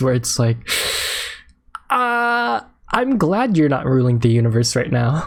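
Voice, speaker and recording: A man's voice swings very widely in pitch. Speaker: VTuber streamer. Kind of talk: casual reaction commentary.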